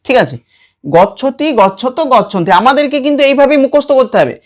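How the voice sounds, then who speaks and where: A man teaching a lesson. He patiently recites verb forms over and over in a slow chant and keeps checking that students follow. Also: very high voice, very animated. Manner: checks in with listeners often. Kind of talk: classroom lesson with recitation drills.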